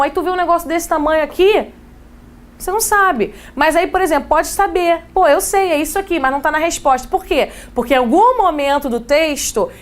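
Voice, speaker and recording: Woman, English teacher, casual and chatty, fairly high voice. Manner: casual, chatty teacher who addresses students directly. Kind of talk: exam-prep English lesson.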